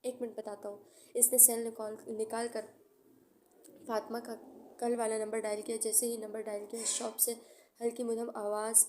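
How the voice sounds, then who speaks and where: A woman narrating an audio novel in a steady, measured storytelling manner, with occasional stumbles. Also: a little high, slight background noise.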